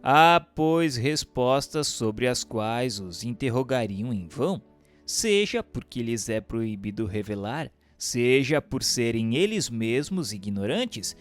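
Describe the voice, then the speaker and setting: Male Brazilian narrator, mid-pitched, formal and deliberate, animated melody over faint music. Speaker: narrator and questioner. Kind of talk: scripted narration, expository reading.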